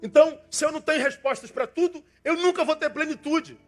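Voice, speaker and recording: An older man with a Brazilian Portuguese accent, preaching a sermon with passion, swinging from loud emphasis to soft asides. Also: extremely high pitch, quick pace, faint music behind. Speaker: pastor.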